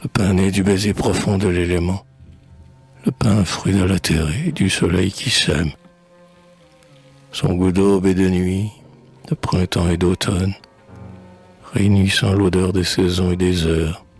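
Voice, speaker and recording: A man reading poetry aloud in a solemn, measured, declamatory recitation. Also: sits low, flat delivery, a little mellow, breathy edge, faint music behind. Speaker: poetry reader.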